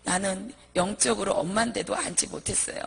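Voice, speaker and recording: A woman's voice: medium pitch, brisk, gravelly, slight background noise. A woman minister giving an earnest, vivid personal testimony, reliving her pleading prayers as she tells the story.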